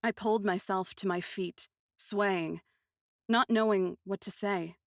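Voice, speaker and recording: A woman narrating a first-person fantasy story in an expressive, literary manner with deliberate phrasing. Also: medium pitch, no echo, studio quality.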